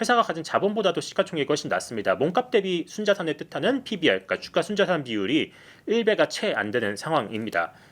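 In a very clean recording with a silent background, a man with a high pitch talks at a fairly quick pace, his voice making very wide pitch swings. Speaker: financial news reporter. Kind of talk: explainer video on finance. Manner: informative, measured with fillers.

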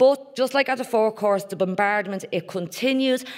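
The background is quiet as a woman speaks with a Dublin accent. Her pitch varies in an ordinary way. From Dublin, the Liberties. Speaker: historian. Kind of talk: lecture. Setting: stage with audience. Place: stage.

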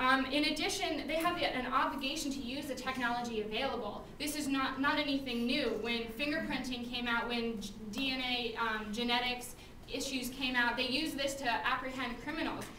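A woman's raised, projected voice carries audible room echo over light background noise. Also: fairly even intonation, moderate pace. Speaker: debater. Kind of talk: competitive debate speech. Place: classroom. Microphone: camera far.

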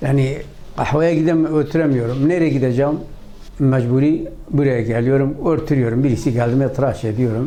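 Noticeable background noise runs under a man speaking at a fairly high pitch. His loudness is very even and his intonation fairly even. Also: moderate pace. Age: 70s. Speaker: barber. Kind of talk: interview answer.

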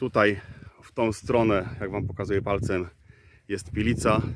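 Light background noise sits behind a fairly slow pace of speech. The sound is dry, with no echo. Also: man. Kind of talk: casual vlog chat. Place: open country.

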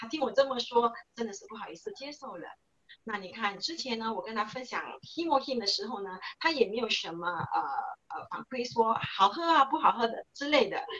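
Over light background noise, a woman speaks at a fairly quick pace in a fairly high voice, with very wide pitch swings and big swings in loudness. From Singapore. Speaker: direct sales distributor. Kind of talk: testimony. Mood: cheerful, warm. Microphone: video call.

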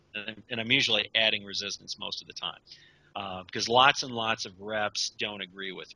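A man speaks at a moderate pace in a fairly low pitch with a bright, sharp tone and fairly even intonation. His loudness swings widely in a dry sound with no echo. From Midwestern US. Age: 50s. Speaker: strongman and motivational author; interview guest, strength coach. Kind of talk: interview. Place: home room. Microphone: headset.

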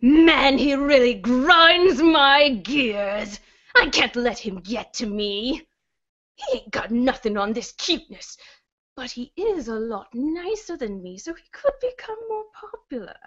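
A woman puts on a character voice with a high pitch. She delivers it at a fairly slow pace. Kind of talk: Greek tragedy, epic overacting. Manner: melodramatic, larger than life.

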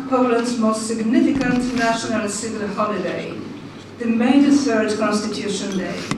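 Noticeable background noise and audible room echo surround speech that moves at a moderate pace. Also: woman, fairly high pitch for a woman. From Poland. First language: Polish. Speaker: ambassador. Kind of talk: formal speech. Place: hall.

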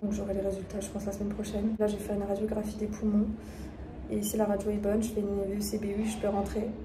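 The voice moves at a fairly quick pace in a monotone, flat intonation, broken by long, frequent pauses, with noticeable background noise. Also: woman. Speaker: vlogger undergoing chemotherapy. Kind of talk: casual vlog to camera. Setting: outdoors.

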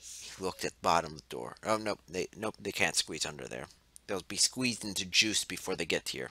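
A man with a very deep, low pitch and vocal fry talks at a fairly quick pace, his tone bright and sharp and his intonation lively. His loudness swings widely, and the sound is dry with no echo. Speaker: YouTube storyteller taking audience requests. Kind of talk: storytelling aloud to kids, spooky bedtime-style tale. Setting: home video recording for online channel. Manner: animated, playful, with hushed dramatic whispers for scary bits. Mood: playful, animated. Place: home room. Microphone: headset.

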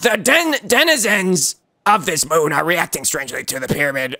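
This is a put-on character voice, raspy and strained. It moves at a moderate pace with very wide pitch swings. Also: man, high pitch for a man. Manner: curt, formal, authoritative.

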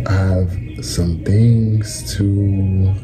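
Over music in the background, a man speaks at a very deep, low pitch with ordinary pitch variation. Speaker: vlogger. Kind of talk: casual vlog chat. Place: home room. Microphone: phone near.

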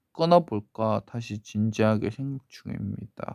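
In a tired tone, a man speaks at a very slow pace with very wide pitch swings, the sound dry and close with no echo. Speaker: vlogger. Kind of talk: casual solo vlog chat. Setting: alone at home. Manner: rambling, filler-heavy; tired, scattered from lack of sleep.

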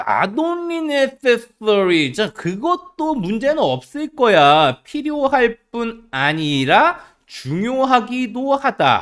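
Very slow speech with very wide pitch swings and hardly any pauses, over a quiet background. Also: man, extremely high pitch for a man. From South Korea. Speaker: English academy teacher. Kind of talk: lecture. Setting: recorded online class. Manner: casual and conversational. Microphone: mic placed very close to face.

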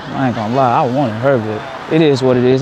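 Over noticeable background noise, someone with an American accent talks at a very fast pace. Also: man. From Texas (Abilene). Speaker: prank YouTuber. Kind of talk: street prank chat.

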